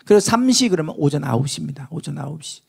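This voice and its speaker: A man preaching a sermon as pastor, telling a parable with lively acted-out dialogue. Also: on the high side, fast, gravelly, slightly rough. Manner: animated storytelling, acting out the parable's dialogue.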